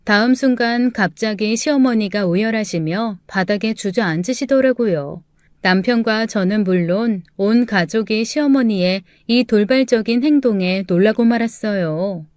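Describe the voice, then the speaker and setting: A young woman narrating a scripted story in a soft, steady, earnest voice. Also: medium pitch, normal speed, no room sound, studio quality.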